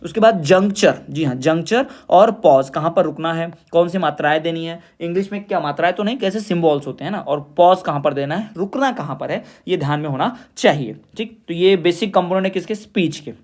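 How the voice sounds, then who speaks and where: A man teaching an exam revision lesson. He explains in Hindi, reads definitions slowly in English, and asks and answers his own questions. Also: fairly high pitch, darkish tone.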